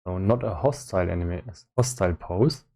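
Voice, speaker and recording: A man giving casual live-stream commentary as he works on a game, thinking aloud in a halting way with repeated words. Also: low-pitched, dark tone. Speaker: solo game developer streaming.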